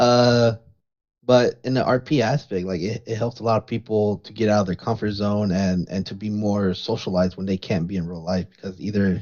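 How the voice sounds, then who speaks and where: Speaking with a Spanish accent, a man uses a fairly low pitch and fairly even intonation. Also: fairly quick pace. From Mexico. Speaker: roleplay gamer podcast panelist. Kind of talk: casual chat.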